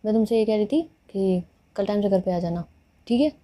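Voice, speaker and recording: A woman's voice: medium pitch, brisk, mellow, close to an everyday voice. Woman doing a teasing, bossy young woman. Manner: playful taunting, sarcastic.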